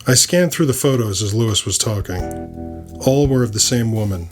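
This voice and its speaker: A man's voice: fairly low pitch, moderate pace, over music. A man narrating scripted urban fantasy fiction in the first person, with a dry, wry delivery.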